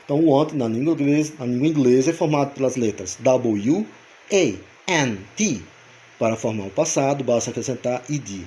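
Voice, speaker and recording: Man teaching grammar, mellow voice. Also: mid-range voice, expressive, normal speed. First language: Portuguese. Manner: spells words letter by letter, frequent checking "tá?"; patient, repetitive explaining. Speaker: English teacher. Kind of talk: explaining grammar in a video lesson.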